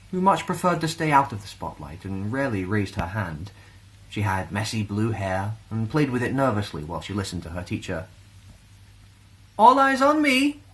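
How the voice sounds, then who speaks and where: A Scottish man reads a storybook aloud. His voice sits fairly low but moves a great deal in pitch. The delivery is expressive narration suited to children. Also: rough recording. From Glasgow, Scotland. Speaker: storyteller reading own short story.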